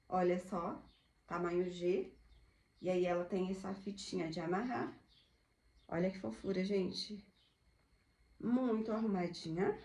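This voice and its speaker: Woman in her thirties, upbeat thrift seller, unhurried talk, roomy home recording. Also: mid-range voice, darkish tone. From Brazil. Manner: chatty, upbeat, many diminutives and "olha só" asides. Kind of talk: casual product showcase. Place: small home room indoors. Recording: echoey room.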